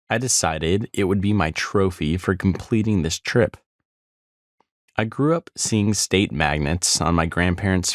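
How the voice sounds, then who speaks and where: Deep-voiced man reading a travel memoir. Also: no echo, clean studio sound. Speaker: author reading own audiobook. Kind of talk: scripted narration, travel memoir.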